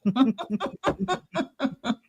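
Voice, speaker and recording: A man's voice: extremely high pitch, very animated, extremely slow, breathy edge, no echo. A man co-hosting a casual livestream chat, rambling with frequent laughs, fillers and restarts. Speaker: livestream co-host.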